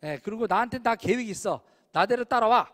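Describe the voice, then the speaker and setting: A man's voice: high voice, animated, a little fast, a bit bright. A man acting out a bossy male classmate who takes charge and boasts, recorded with a long hall reverb. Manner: commanding, boastful.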